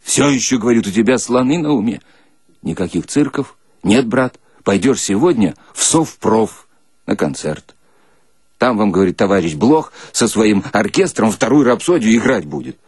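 An actor playing a gruff, bossy military commissar with a curt, commanding, colloquial manner in a radio monologue. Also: male voice, lowish voice, lively intonation, moderate pace, darkish tone, no room sound, studio quality.

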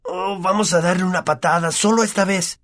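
A man's voice: sits high, fairly even intonation, brisk, a bit bright, voice pushed up. A man doing a blunt teenage schoolboy. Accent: Latin American Spanish.

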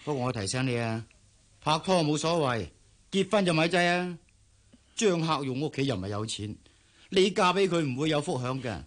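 Radio play: an actor as a shrewd Hong Kong father, middle-aged, scoffing, lively pitch. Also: moderate pace, lightly acted. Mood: lecturing. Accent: Hong Kong Cantonese. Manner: lecturing, scornful. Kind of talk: radio drama acting.

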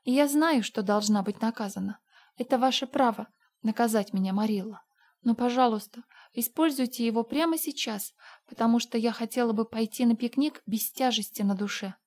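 A woman's voice: on the high side, normal speed, a little mellow. An actress playing Anne, a dreamy, dramatic orphan girl of about eleven, with emotional, theatrical pleading. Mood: calm resigned.

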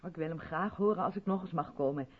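An actress playing an effusive, self-absorbed white South African theatre director in a 1970s Dutch radio play, chatty and patronising in a theatrical way. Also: female voice, low-pitched, fast, breathy edge. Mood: chatty, purposeful. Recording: dull vintage radio recording.

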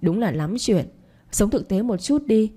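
A woman's voice: mid-range voice, animated, unhurried, mellow, husky, pitched above the performer's own voice. A woman voicing a scheming, shameless pregnant stepmother who mocks and wheedles. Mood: mocking. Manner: mocking, wheedling.

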